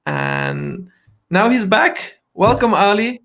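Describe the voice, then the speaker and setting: Gravelly-voiced male stream host. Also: sits high, wildly swooping pitch, slow, fairly bright tone. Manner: friendly, asks short questions. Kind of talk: livestream hosting.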